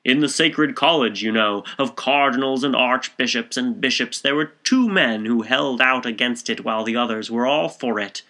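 Man playing a forceful, know-all gentleman holding forth. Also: moderate pace, few pauses. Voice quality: deep, raucous. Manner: declamatory, self-assured storytelling.

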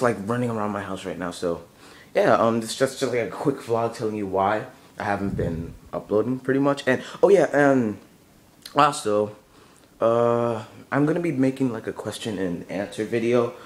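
A man's voice: lowish voice, normal speed. Groggy young man rambling in a vlog. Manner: rambling, hesitant, many fillers. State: groggy morning voice, just woke up. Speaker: channel owner. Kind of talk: casual vlog. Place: bedroom at home.

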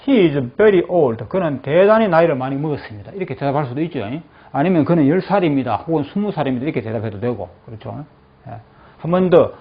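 A male English teacher in a classroom, saying phrases slowly and then explaining them, often checking that the class follows. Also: medium pitch. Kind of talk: classroom lecture with repeat-after-me drills. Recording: dull lo-fi classroom recording.

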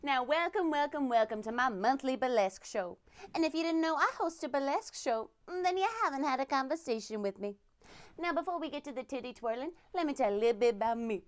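A woman's voice: sits high, animated, fast. A woman playing a brash, self-satisfied rockabilly burlesque hostess with showy emcee patter in a comedy monologue. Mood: showy, smug.

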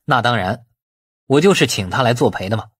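A man's voice: mid-range voice, expressive, brisk, fairly bright tone, slightly rough, dry recording, clean studio sound. A man reading the part of a courteous, glib young businessman in an audiobook. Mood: smooth, probing.

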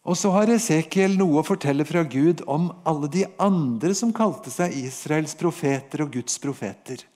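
A man with a Norwegian accent teaches from the Bible on a podcast, telling the old prophet's story as a vivid narrative. His voice sits a little higher than most men's. He slows down to give divine speech its weight. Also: a little mellow. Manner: vivid storytelling, acts out God's words to the prophet.

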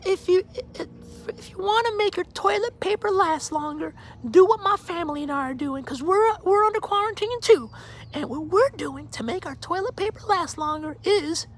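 A high, drawling Southern lady with a put-on Savannah accent, as a man puts her on in falsetto. She talks with goofy, mock-earnest conviction. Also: fairly bright tone.

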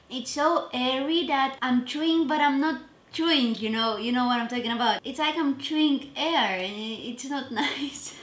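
A woman's voice: sits high, fairly bright tone, roomy sound. A woman with a manner, chatting casually and self-deprecatingly while cooking for a vlog. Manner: chatty, self-deprecating, trails off mid-sentence. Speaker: cooking vlogger. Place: home kitchen.

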